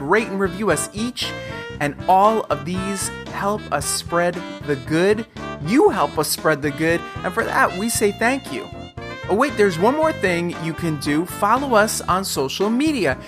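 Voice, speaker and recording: Playful male podcast host. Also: a little high. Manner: playful, jokey, animated. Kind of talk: upbeat podcast hosting.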